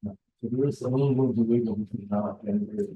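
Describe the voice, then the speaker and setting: A man's voice: lowish voice, steady tone, fast talker. Man hosting, in a dull echoey room. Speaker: meeting host. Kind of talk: informal closing remarks. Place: meeting room at a hospital.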